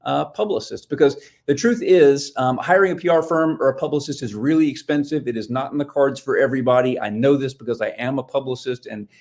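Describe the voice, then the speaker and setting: A man's voice: medium pitch, quick pace, few pauses, darkish tone. A man who works as a book publicist, presenting casually as a guest expert on a live stream, with frequent ums and restarts. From Nashville-based. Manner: casual, filler-heavy, restarts.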